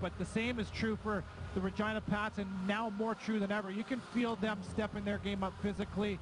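In an animated tone, a man talks at a very fast pace with a high pitch. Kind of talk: live sports commentary (color analysis). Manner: animated, quick-paced, analytical.

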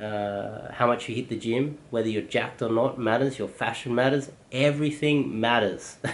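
An Australian accent marks this man's speech. His pitch is medium, with ordinary variation. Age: 30s. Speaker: dating coach. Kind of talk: monologue to camera. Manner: hesitant with fillers. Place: home room.

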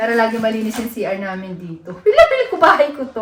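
A woman's high-pitched voice carries through noticeable background noise. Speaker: vlogger. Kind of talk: casual vlog narration.

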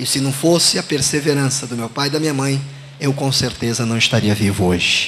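Over light background noise, a man with a normal speaking voice talks at a fairly quick pace, using a fairly high pitch and ordinary pitch variation. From São Paulo, Brazil. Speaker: pastor. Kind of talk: sermon. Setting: church. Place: church. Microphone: handheld.

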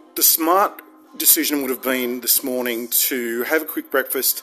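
A man speaks fairly slowly while faint music lingers in the background. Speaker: vlogger. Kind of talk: casual vlog chat. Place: home room. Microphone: phone near.

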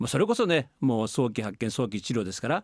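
A man's very fast, lively-intoned delivery, dry and echo-free over a quiet background. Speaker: radio host and medical doctor. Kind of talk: radio talk show. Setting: radio studio. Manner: frequent filler words. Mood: friendly, relaxed. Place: studio. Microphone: studio mic.

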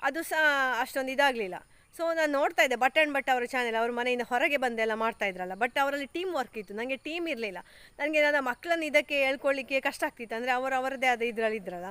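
Recorded very cleanly with a silent background and a dry, close sound with no echo, a woman speaks at a high pitch with ordinary pitch variation. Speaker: village lifestyle vlogger, housewife. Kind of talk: casual vlog monologue. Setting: outdoors on a farm. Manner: forceful, assertive.

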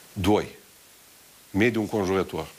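Talking at a fairly quick pace, the man has a very deep, low pitch. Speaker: guest, politician. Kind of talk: interview answer. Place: studio. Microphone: lapel.

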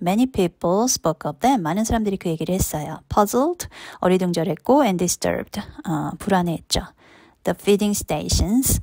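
A woman speaks at a fairly slow pace with a medium pitch and lively intonation. The recording is very clean and dry, close-miked with no echo and a silent background. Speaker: English reading teacher. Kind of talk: reading aloud with line-by-line translation. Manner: halting, with frequent fillers.

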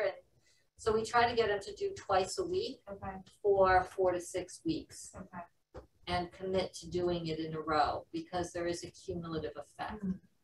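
A woman speaks at a moderate pace in a normal speaking voice, her pitch medium. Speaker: clinic practitioner. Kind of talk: group discussion.

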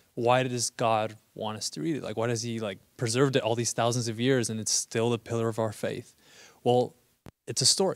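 The speaker, with an American accent, talks at a fairly quick pace with fairly even intonation over a quiet background. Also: man. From Mexico City and Colorado. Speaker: Bible college student. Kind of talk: casual chat. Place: stage. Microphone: handheld.

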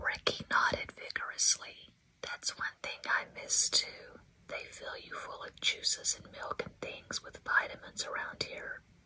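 Someone whispers at a fairly slow pace. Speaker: reader. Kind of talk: audiobook reading. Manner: whispered.

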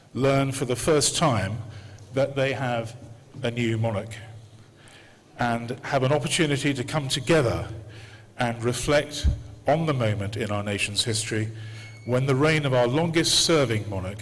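At a moderate pace with long, frequent pauses, a man speaks in a somewhat breathy voice with ordinary pitch variation. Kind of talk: formal public address. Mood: solemn, formal. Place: street. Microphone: podium.

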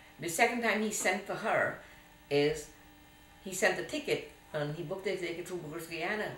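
Long, frequent pauses break up speech at a moderate pace with ordinary pitch variation, over light background noise and audible room echo. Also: woman. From Guyana. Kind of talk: interview answer. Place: home room. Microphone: camera far.

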